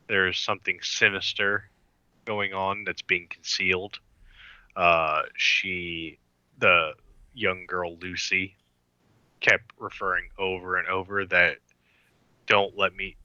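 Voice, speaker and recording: A man voicing an eleven-hundred-year-old vampire, measured and thinking aloud. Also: low-pitched, sharp tone, no echo, muffled recording, full character voice. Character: ancient male vampire, eleven hundred years old, calculating.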